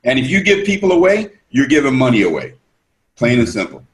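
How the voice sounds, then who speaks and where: A man's voice: medium pitch, wildly swooping pitch, a little fast. Man explaining eagerly on a call. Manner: enthusiastic, repetitive, restarts often. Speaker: presenter of the business system.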